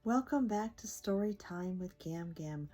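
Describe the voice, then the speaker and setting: A woman's voice: on the low side, lively intonation, measured pace, warm tone, faint music behind. An older woman hosting a children's story time, reading aloud expressively to young listeners.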